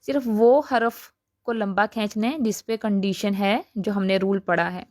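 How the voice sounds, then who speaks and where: A woman's voice: mid-range voice, fairly even intonation, darkish tone, dry recording. Patient woman teacher, dry close voice. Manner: patient, repeats "theek hai" to check understanding; draws out example sounds slowly. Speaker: Quran recitation teacher. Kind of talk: explaining a lesson.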